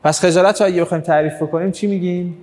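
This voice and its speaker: A man's voice: high voice, fairly even intonation, darkish tone, big-room sound. Man coaching a workshop crowd. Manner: direct, coaxing, urges the audience on. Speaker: workshop trainer. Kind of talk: live workshop teaching. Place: hall with an audience.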